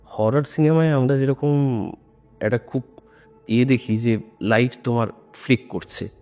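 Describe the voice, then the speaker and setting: A man with an average-pitched voice tells a story in colloquial, conversational language. He builds suspense as he goes, like a podcast storyteller. Music plays behind his voice. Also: unhurried, darkish tone. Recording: music under the voice. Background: background music.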